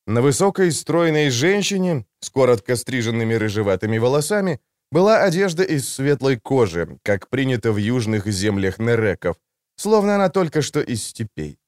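A male narrator reads a fantasy audiobook in an expressive, measured way. His intonation moves widely around a middle pitch. The recording is dry and close. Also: dry recording. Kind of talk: scripted narration.

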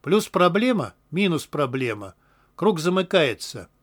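A man voicing a calm, helmeted male stalker who speaks in a level, matter-of-fact way. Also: a little high, a little slow.

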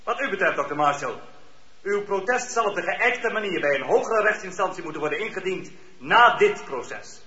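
An actor playing a stern, impatient presiding judge who speaks in formal, commanding legal phrases in a radio drama. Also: male voice, sits high, animated, moderate pace, sharp tone. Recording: roomy, dull lo-fi radio recording.

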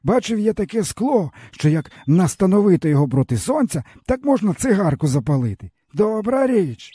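A man's voice: sits high, very animated, normal speed, dark tone, breathy edge, dry recording, pitched above the performer's own voice, heavily acted. A man voicing a starving old peasant, plaintive. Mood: wry. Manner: plaintive, sighing, folksy rural speech. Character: starving bitter older peasant man, worn out. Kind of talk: audiobook character voice.

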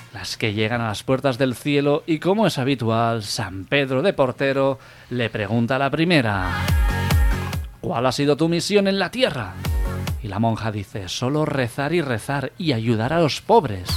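A man hosting a radio comedy show and telling jokes full of quoted dialogue. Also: mid-range voice. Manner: tells jokes in quoted dialogue, then laughs.

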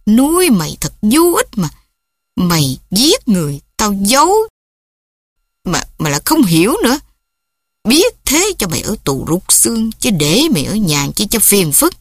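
A woman's voice: medium pitch, big pitch swings, measured pace, dry recording, studio quality. A woman voicing a stern, domineering old father who scolds sharply. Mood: harsh.

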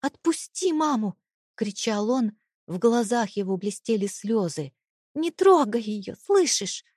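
A woman voicing a desperate, tearful young boy crying out high. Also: animated, unhurried, darkish tone, no echo, clean studio sound.

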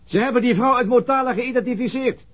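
An actor playing a dogged, weary male police detective in a Dutch radio drama, speaking haltingly. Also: very high voice, a little hiss or hum. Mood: eager. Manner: hesitant, halting.

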